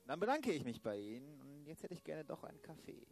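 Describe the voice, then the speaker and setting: A man playing a polite, businesslike police detective in an improvised radio play, formal, deliberate and direct. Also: a little high, very animated, creaky, music in the background.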